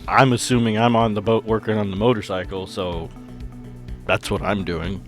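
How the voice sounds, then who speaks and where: A man's voice: on the low side, steady tone, moderate pace, faint music behind. A man chatting casually as a player improvising in a tabletop roleplaying game.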